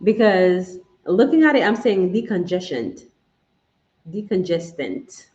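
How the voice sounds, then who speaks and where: A woman's voice: lowish voice, big pitch swings, slow, dark tone. Woman, Jamaican accent, casual live chat, restarts often, roomy echo, slightly muffled. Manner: rambling, self-correcting, addresses viewers directly. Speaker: channel host doing a live Q&A. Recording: echoey room, slightly dull sound.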